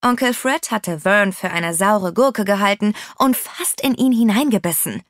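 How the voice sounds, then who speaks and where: A woman narrating a children's audiobook with lively, playful storytelling. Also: medium pitch, measured pace, no echo, clean studio sound.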